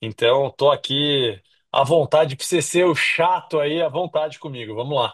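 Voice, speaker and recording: A man with a São Paulo accent, a fairly high pitch, ordinary pitch variation and a moderate pace. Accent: São Paulo (paulistano). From Brazil, São Paulo city. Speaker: physician turned venture capital investor. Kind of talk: interview conversation.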